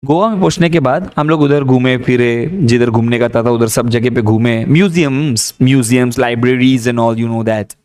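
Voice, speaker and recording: A man's voice: medium pitch, normal speed, hardly any pauses, a little mellow, clear, resonant tone. A man teaching, telling stories in a casual, joking way and mixing in English. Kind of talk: lively classroom storytelling.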